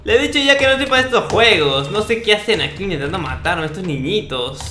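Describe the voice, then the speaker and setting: High, bright-voiced young Peruvian man. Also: lively intonation, quick pace. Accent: Peruvian Spanish. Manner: mock-boastful, cocky. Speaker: gaming video host. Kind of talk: casual Minecraft gameplay commentary. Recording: roomy sound with faint background noise.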